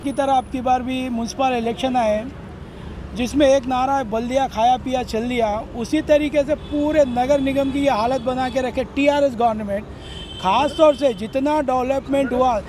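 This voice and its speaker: Very high-pitched man making a political speech. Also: fairly even intonation, normal speed. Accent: Hyderabadi. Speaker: party campaigner. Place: busy street, outdoors. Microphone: handheld press microphones held close. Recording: clear outdoor street traffic noise.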